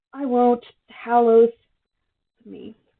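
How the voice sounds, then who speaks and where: A woman mumbles in a put-on character voice pitched high. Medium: read story. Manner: flat, mumbling, deadpan.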